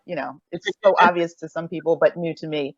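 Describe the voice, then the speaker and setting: A woman's voice: sits low, steady tone, a little fast, dry recording, lo-fi sound. A middle-aged woman speaking as a creator on a casual panel, rambling and thinking aloud hesitantly. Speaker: audio drama creator on a panel.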